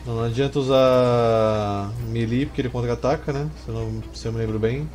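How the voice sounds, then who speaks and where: A man's voice: medium pitch, steady tone, a little fast, darkish tone. A man in his thirties with a Brazilian accent, giving slangy, casual commentary as he streams a game. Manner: slangy, swearing. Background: faint game music.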